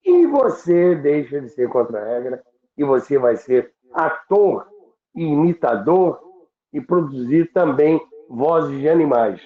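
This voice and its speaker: A man with a Brazilian accent telling anecdotes deliberately and haltingly on a podcast, repeating himself for emphasis. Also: on the high side. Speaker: radio history storyteller on a podcast. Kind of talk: anecdotal storytelling talk. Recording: roomy, tinny phone-like sound.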